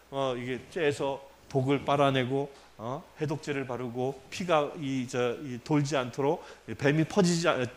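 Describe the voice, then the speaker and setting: A male priest preaching a sermon in an animated way, often putting rhetorical questions to the congregation. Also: on the high side.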